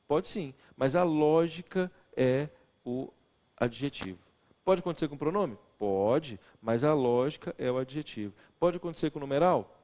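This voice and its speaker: A man's voice: mid-range voice, in a large hall. A man teaching legal writing in a recorded lecture, stressing words for effect and putting questions to his students. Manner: expressive, stresses words, asks the class questions.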